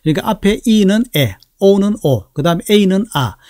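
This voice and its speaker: Man teaching slow, careful pronunciation. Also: sits high, animated, darkish tone, dry recording, clean studio sound. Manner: slow, careful, repeats example words. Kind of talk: explaining pronunciation in a lesson video.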